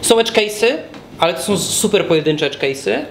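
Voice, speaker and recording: A man in his thirties talks a small group through his drawing on a whiteboard, breaking off and restarting as he works. His voice sits a little high for a man. It echoes around the room and comes over steady background noise, picked up from a camera some distance away. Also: moderate pace, creaky. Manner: explains step by step while drawing, many restarts. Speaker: guest speaker. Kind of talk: talk at a whiteboard. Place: small room with brick walls. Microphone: far camera. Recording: echoey room from far off, noisy.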